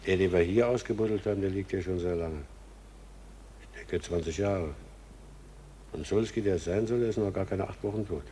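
Radio play: man as village gravedigger, low dark tone, plain, measured, matter-of-fact. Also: a little hiss or hum, lightly acted. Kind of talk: German radio drama acting.

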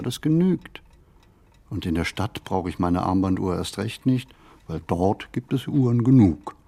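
An actor playing a pensive, hesitant city stroller in a radio play monologue, speaking deliberately and haltingly with a husky voice. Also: male voice, medium pitch, warm tone. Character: male pensive, hesitant city stroller musing on everyday life.

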